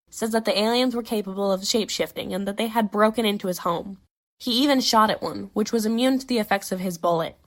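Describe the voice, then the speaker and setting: A woman's voice: medium pitch, close to an everyday voice. A woman plays a curious adventurer in an audio drama. She speaks in a mid-range voice, wry and conversational, explaining things to companions. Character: wry, curious female time-traveling adventurer.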